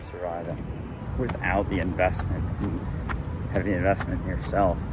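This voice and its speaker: Music plays in the background as a man speaks at a moderate pace in a dry sound with no echo. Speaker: runner vlogger. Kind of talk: casual vlog chat. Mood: reflective, musing. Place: waterside. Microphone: phone near.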